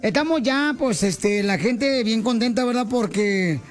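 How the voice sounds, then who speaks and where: Man, very high voice, rowdy joking radio host. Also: measured pace, faint music behind. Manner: rowdy, joking, calls listeners "paisanos". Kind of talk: playful radio banter.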